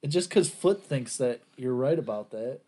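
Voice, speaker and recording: A man's voice: mid-range voice, lively intonation, moderate pace, mellow. A man hosting a podcast in casual chat, steering the topics and laughing easily. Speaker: podcast host.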